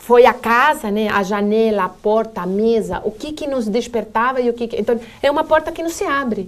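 This woman has a high pitch with ordinary pitch variation. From South America, emigrated to Brazil as a child. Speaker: theatre company artist. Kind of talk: TV interview. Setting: TV studio. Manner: halting. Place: studio. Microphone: lapel.

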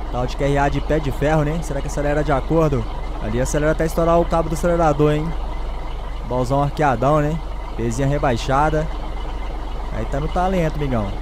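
Amid noticeable background noise, a man speaks at a fairly quick pace in a dry sound with no echo. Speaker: gaming youtuber. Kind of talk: gameplay commentary.

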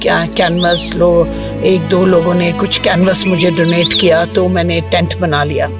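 A woman speaks at a very slow pace. The sound is dry with no echo, and clear music plays in the background. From Himachal Pradesh, India. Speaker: animal rescuer. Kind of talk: documentary interview answer. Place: open country.

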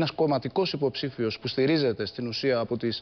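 A man at a fairly quick pace. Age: 30s. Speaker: politician. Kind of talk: TV interview. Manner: halting.

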